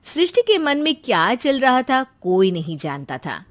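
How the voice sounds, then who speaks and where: A woman narrating a cartoon story in a plain, steady storytelling voice. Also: a little high, measured pace.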